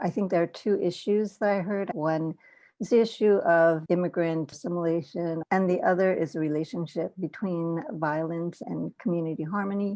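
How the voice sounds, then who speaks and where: A woman speaks at a moderate pace in a fairly low pitch, her tone dark and mellow against a quiet background. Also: ordinary pitch variation. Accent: Japanese. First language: Japanese. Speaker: community activist, ethnic studies expert. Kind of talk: panel discussion.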